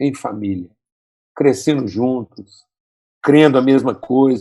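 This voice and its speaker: A man's dark, mellow tone at medium pitch, with ordinary pitch variation and a very slow pace. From Brazil, Minas Gerais (Triângulo Mineiro). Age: 60s. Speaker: pastor. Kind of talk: sermon. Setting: online church livestream.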